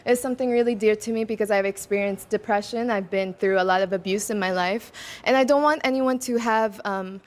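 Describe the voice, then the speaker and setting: A woman's voice: medium pitch, brisk, few pauses. A woman in her twenties who grew up in Macau, answering pageant interview questions in a bubbly way, laughing between answers and mixing in Tagalog words. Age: 20s. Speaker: pageant candidate.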